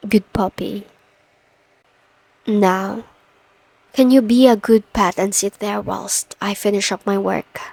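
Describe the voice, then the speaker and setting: A woman plays a dominant lady boss in an intimate ASMR audio roleplay. She speaks slowly and deliberately, teasing and coaxing with calm command. The sound is dry, with no room around it. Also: medium pitch, gravelly, husky, no echo, full character voice, poor audio. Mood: possessive, pleased. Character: confident, teasing, dominant female boss in a suit.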